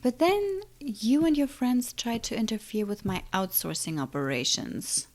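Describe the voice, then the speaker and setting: A woman's voice: on the high side, expressive, a little slow, a little mellow. A woman playing an ancient, menacing siren in an audio drama, taunting and condescending with a theatrical drawl. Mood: smug, taunting. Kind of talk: audio drama villain acting.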